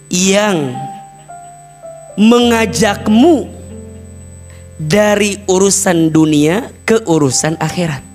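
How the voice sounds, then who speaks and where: A man with a Sundanese accent giving a lively sermon, acting out everyday conversations and breaking into loud, emphatic lines. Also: sits high. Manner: animated, acts out everyday dialogues, bursts into loud emphatic lines. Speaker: preacher. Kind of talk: lively sermon to a mostly female audience.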